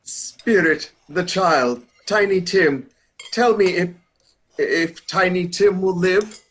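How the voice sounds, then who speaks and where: An actor playing a humbled, anxious old Victorian gentleman in a radio play, speaking formally and hesitantly. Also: high-pitched, slow pace. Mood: anxious, pleading.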